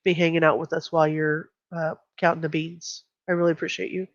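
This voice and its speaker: A woman's voice: low-pitched, level tone, a little fast, no room sound, lo-fi sound. A middle-aged woman, hosting a casual true crime live stream, reading out and commenting in a conversational, blunt way.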